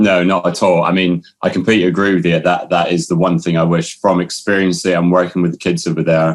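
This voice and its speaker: A man with an English accent and a very deep, low pitch rattles on very fast in a flat monotone, keeping his loudness very even and hardly pausing. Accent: English, mistaken for Australian by Americans. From southern England, Chichester (born Scotland). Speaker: film production company founder. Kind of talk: casual interview chat.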